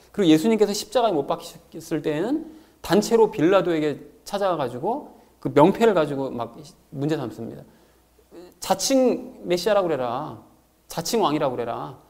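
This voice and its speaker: A man preaching a sermon as pastor, expressive and explanatory, acting out quoted lines as he goes. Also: high voice.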